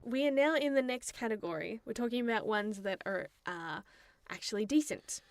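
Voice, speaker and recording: A woman's voice: on the high side, normal speed, soft background music. A young woman co-hosting a podcast, talking about films and games in a casual, chatty and conversational way. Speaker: podcast co-host.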